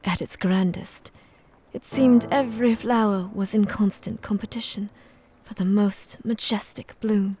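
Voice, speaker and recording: A woman playing a pale, eerie, courteous maid in an audio drama, with formal, archaic, measured speech. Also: mid-range voice, steady tone, warm tone, close to an everyday voice. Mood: courteous, inviting. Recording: music behind the voice.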